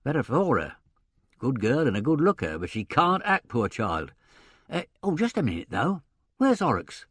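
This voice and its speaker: Man playing older theatrical agent, gruff, colloquial, opinionated, lively swings in pitch, higher than his own voice, dry audiobook sound. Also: moderate pace, dry recording, heavily acted. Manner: colloquial, drops grammar, chuckles, opinionated. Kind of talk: audiobook character reading.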